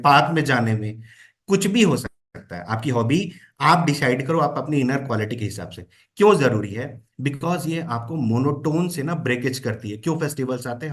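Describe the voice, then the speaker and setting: A man giving a motivational talk as a trainer, mixing English phrases into Hindi and often checking in with "है ना?". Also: fairly high pitch. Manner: coaching, with frequent "है ना?" check-ins.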